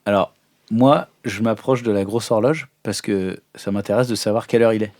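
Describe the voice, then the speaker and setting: Male tabletop player, lowish voice, casual conversational improvising. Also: normal speed, a little mellow. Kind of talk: casual improvised game chat.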